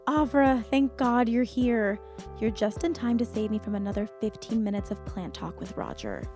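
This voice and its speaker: A woman's voice: a little high, expressive, moderate pace, over music, lightly acted. A woman playing a friendly, dryly exasperated friend in an audio drama. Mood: relieved.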